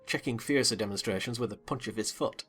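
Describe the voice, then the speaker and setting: A man's voice: on the low side, faint music behind. Man narrating a classic novel expressively. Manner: measured, expressive storytelling. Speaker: audiobook narrator. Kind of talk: dramatized reading of classic fiction.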